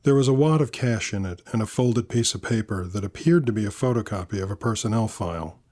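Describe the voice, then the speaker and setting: A man narrating a scripted first-person story in a measured, dry, wry manner. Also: lowish voice, warm tone.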